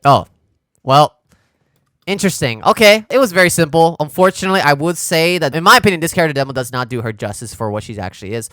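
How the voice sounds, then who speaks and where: A man giving casual reaction commentary on a game trailer, excitable, with frequent exclamations and laughs. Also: a little high, fast talker, no echo, clean studio sound.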